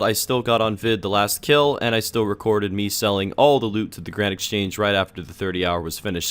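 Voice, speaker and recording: A young man who is sick and losing his voice, talking casually over his gameplay footage as a gaming video creator, relaxed and chatty with frequent "uh"s and "you know"s. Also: lowish voice, clean tone. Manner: relaxed, chatty, filler-heavy.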